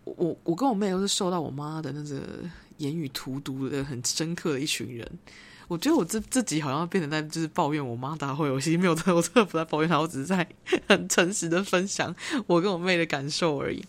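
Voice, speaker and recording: A woman's voice: sits low, fast. A young woman with a Taiwanese Mandarin accent hosting a solo podcast, talking in a reflective, rambling way and slipping into English phrases. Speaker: podcast host. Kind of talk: casual solo podcast monologue.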